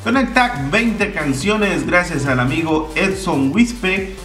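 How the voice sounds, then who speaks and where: A Mexican-accented YouTuber in his twenties chats slowly and animatedly to camera in an informal, slangy way, swearing as he goes. His fairly high, fairly bright voice echoes around a tiled-floor room at home, picked up by a distant mic with faint music behind.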